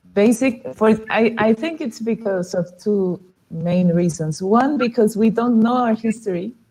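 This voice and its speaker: A woman speaks with a Mexican accent at a fairly slow pace. Her pitch is fairly high, with ordinary variation. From Mexico. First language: Spanish. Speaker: film director. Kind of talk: interview Q&A. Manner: halting, searching for English words.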